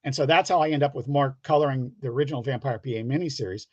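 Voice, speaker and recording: A man's voice: mid-range voice, very fast. Dull, roomy-sounding man telling stories casually. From United States, Pittsburgh area. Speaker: guest comic book creator. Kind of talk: casual anecdotal chat. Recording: dull lo-fi, roomy call audio.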